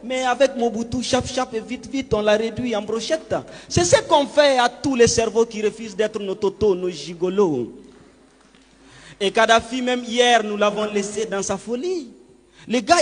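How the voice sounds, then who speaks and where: A man performing slam poetry in a rhythmic, declamatory delivery. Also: very high voice. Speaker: slam poet. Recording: long hall reverb with music underneath.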